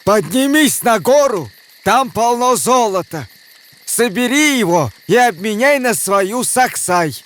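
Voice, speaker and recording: An actor voicing a cunning old traveller in a cartoon who feigns kindness, speaking slowly. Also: male voice, very high-pitched, animated. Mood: kindly. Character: cunning old male traveller, secretly villain. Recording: cartoon soundtrack with music behind.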